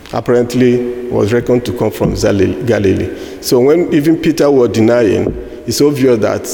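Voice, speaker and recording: Nigerian male preacher, slow and measured, gravelly tone, roomy echo. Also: medium pitch, mellow. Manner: slow, halting, with fillers and restarts. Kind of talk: sermon. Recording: echoey hall with long reverb.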